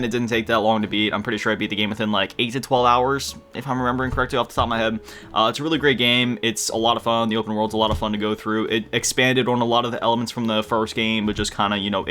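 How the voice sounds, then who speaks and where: A young man chatting casually about his video game collection, rambling with quick self-deprecating asides. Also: medium pitch, a bit bright. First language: English. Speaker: gaming YouTuber.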